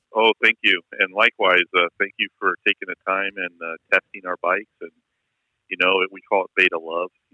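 A man speaks in a very deep, low voice with flat, monotone intonation and big swings in loudness. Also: moderate pace. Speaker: company president, motorcycle maker. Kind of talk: casual interview. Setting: phone call.

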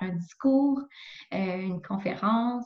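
Noticeable background noise sits behind the speaker. She is a woman with a medium-pitched voice. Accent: Beauce. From Quebec, Beauce region. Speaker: professional dancer and movement coach. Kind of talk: interview conversation.

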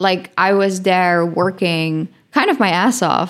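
A woman with a Dutch accent and medium pitch is heard on a very clean recording with a silent background. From Netherlands. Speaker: podcast host. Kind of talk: solo podcast monologue. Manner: casual, filler-heavy.

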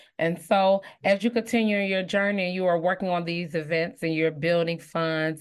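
A woman with an American accent has a plain, everyday voice, fairly low in pitch with ordinary pitch variation. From Cleveland, Ohio. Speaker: podcast host. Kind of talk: interview. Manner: formal, upbeat.

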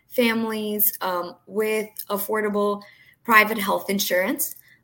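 A woman's fairly high-pitched voice at a fairly slow pace. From Brazil, raised in New Jersey. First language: Portuguese. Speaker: insurance agency owner. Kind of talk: business interview.

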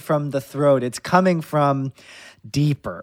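An American-accented man with an unremarkable speaking voice speaks at a fairly slow pace and a fairly high pitch. The recording is very clean with a silent background, and the sound is dry and close with no echo. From Colorado. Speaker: podcast guest. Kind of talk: casual chat.

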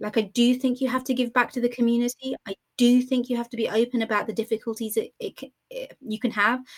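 A woman with a London accent speaks at a high pitch in a monotone, flat delivery, recorded with a dry, close sound and no echo. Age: 30s. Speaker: journalist and author. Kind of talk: podcast interview.

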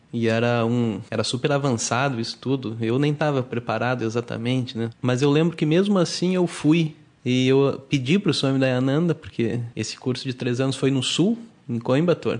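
This man's medium-pitched voice moves at a moderate tempo, with ordinary variation in pitch. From Brazil, Curitiba. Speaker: Vedanta student and institute staff member. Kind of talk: personal testimony. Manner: halting, with repetitions.

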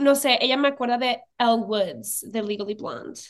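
A woman is speaking. Her voice sits high in pitch. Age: 20s. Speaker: podcast co-host guest. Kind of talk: casual chat.

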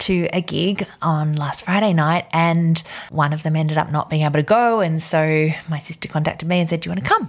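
A woman with an Australian accent is talking. Her pitch is fairly low and her pace moderate. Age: 40s. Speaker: podcast host and yoga studio owner. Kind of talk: casual monologue.

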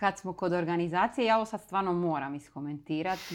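Her voice is fairly low in pitch for a woman, with ordinary pitch variation. She has a warm, animated tone. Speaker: podcast host. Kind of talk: casual interview. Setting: studio with cameras.

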